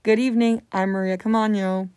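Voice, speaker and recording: A woman's voice: medium pitch, fairly even intonation, a little fast, darkish tone, clear, resonant tone, no echo, clean studio sound. A young woman presenting scripted news as a radio host.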